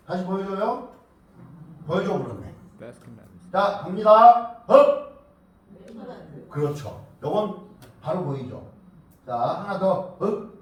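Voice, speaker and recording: A man giving a lively, teasing lecture to a live audience, at times chanting words in rhythm. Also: sits high, slight background noise. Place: lecture hall. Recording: echoey hall, mic at a distance.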